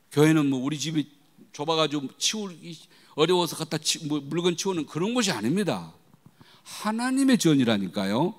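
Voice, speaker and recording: Middle-aged guy preaching in a big echoey church, animated, acts out the people he quotes. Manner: animated storytelling, acting out quoted voices with big pitch jumps. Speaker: guest pastor. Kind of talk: sermon. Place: church sanctuary. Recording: long hall reverb.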